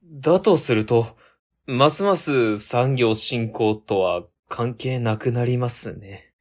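A man's voice: mid-range voice, slow. A man playing an earnest young office worker in a radio drama, with a questioning tone. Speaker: ward office staffer. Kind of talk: amateur web radio drama acting.

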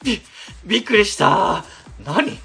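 A man playing a flustered, excitable ward office worker in a radio drama. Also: high voice, measured pace, gravelly, breathy edge, heavily acted. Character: flustered, excitable male civil servant. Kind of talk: amateur web radio drama acting.

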